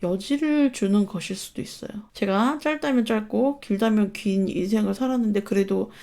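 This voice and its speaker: A woman's voice: mid-range voice, normal speed, vocal fry, warm tone. A woman hosting an advice channel, talking in a blunt, emphatic and profane way in a casual chat.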